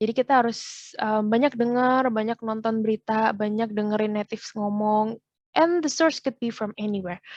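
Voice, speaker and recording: This woman speaks at a moderate pace with hardly any pauses. Her pitch is fairly high and her intonation fairly even. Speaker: newscasting trainer. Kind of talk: training class Q&A.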